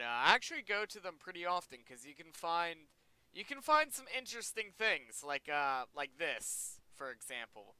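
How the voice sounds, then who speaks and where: A man's voice: a little high, sharp tone, clear, resonant tone, no echo, rough recording. A young man hosting a video, reacting to pictures in rambling, chatty casual commentary, often repeating himself. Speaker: video host.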